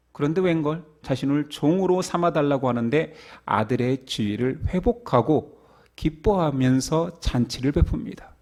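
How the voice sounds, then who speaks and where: Animated Korean pastor preaching a sermon. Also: male voice, fairly high pitch. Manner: animated, acts out the parable's characters in quoted voices.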